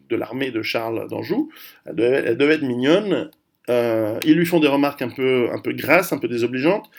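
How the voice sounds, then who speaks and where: A man with a gravelly, creaky voice talks through history in a loose, rambling way, restarting phrases and filling pauses as he goes. His pitch sits in the middle range for a man. He sounds like a casual video host speaking straight to his audience. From Italian heritage. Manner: rambling, many restarts and fillers. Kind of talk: casual history talk to camera.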